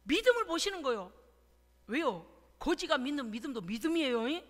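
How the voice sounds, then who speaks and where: A middle-aged woman pastor giving an emotional sermon, swinging from whispers to shouts and acting out prayers. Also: high voice, very animated, a little fast. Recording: church hall with long reverb.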